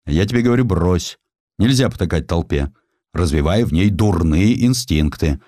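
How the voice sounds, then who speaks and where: A man's voice: deep voice, animated, normal speed, darkish tone, no room sound, studio quality. A man voicing a stern, imperious conservative newspaper editor, curt and commanding, in an audiobook.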